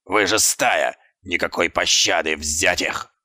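A man voicing a big, menacing male dog who leads a street pack, speaking slowly and quietly. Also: dry recording, studio quality, heavily acted. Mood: commanding. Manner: slow, low, quietly menacing. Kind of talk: audiobook character voice.

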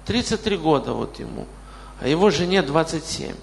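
A man's voice: a little high, big pitch swings, normal speed, gravelly, slight background noise. A man in his late forties preaching a sermon in a church, often putting questions straight to the congregation. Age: 40s. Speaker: pastor. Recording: reverberant hall.

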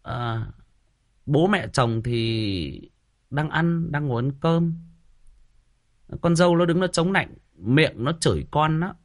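Brief: male Northern Vietnamese livestream host, chatty and rambling, fairly high and lively voice. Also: takes it slowly, long pauses. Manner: chatty, full of fillers and repetition. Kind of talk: casual livestream chat.

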